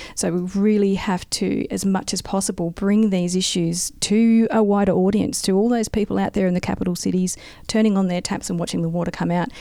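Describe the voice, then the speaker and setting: A woman speaks in an Australian accent with fairly even intonation. Her tone is dark and mellow. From South Australia. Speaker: local councillor and geologist. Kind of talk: casual interview. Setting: in-person interview in Mildura.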